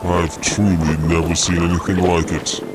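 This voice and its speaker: A man voicing a deadpan, intoning froglike floating creature in a fiction podcast. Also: low voice, normal speed, heavy background noise, natural voice. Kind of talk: fiction podcast character acting.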